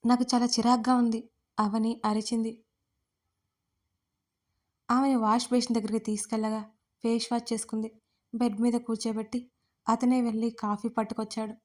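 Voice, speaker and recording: A woman's voice: on the high side, flat delivery, normal speed, pauses often, a little mellow. Woman narrating a story in a level voice. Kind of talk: scripted narration of a romance story.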